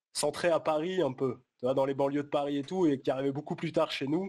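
Fairly even intonation at a moderate pace against a quiet background. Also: man. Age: 20s. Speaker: rapper; interviewee. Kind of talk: interview. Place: studio.

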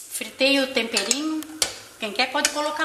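The speaker talks at a fairly slow pace. Noticeable background noise can be heard. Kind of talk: cooking tutorial. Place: kitchen. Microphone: camera far.

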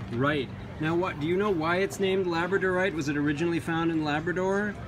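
The intonation stays fairly even at a very fast pace. Noticeable background noise is heard throughout. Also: man, high pitch for a man. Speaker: video host interviewing a vendor. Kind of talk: casual talk to camera at a trade show. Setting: busy trade show floor. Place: market.

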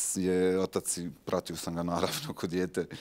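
With a very deep, low voice, a man talks at a moderate pace. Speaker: talk show guest. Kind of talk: interview answer. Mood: relaxed, joking, laughs. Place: studio. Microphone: lapel.

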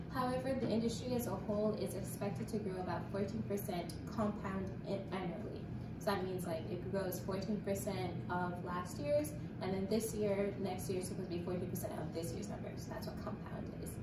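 A woman talks at a moderate pace against loud background noise. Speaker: student presenter. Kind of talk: class presentation. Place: classroom. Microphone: camera far.

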